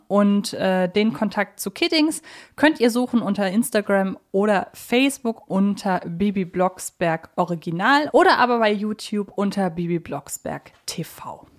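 Chatty woman hosting a podcast. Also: mid-range voice. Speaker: podcast host.

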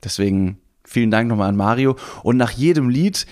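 A man's voice: mid-range voice, animated, a little fast, a little mellow. Enthusiastic man telling a long story. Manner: enthusiastic, rambling, with many repeats. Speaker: podcast co-host. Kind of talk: casual storytelling chat.

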